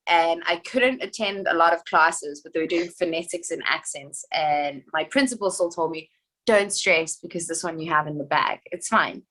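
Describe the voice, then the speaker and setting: A young adult woman from South Africa, an actress talking in a casual podcast chat, chatty and animated with quick asides. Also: lowish voice, low-quality recording. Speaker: actress guest.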